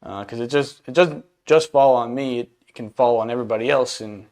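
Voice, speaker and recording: A man's voice: medium pitch, a little fast, a little mellow. A man in his twenties who runs an event rental business, talking casually in an interview, laid-back and a little hesitant. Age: 20s.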